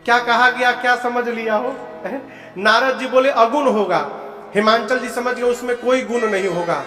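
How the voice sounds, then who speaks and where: A man with an Eastern Uttar Pradesh accent preaching a devotional sermon, telling the story, questioning the audience and chanting verses slowly. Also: extremely high pitch, fairly even intonation, pushed and bright. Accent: Eastern Uttar Pradesh (Purvanchal). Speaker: kathavachak preacher. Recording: echoey hall with faint music.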